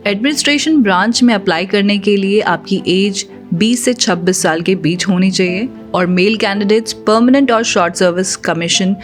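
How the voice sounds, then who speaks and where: A woman reads a scripted explainer in an even, informative manner, slipping English terms into her sentences. Her voice sits at a middling pitch. Faint music plays quietly behind her. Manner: steady informative delivery, mixing English terms into Hindi. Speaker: channel presenter.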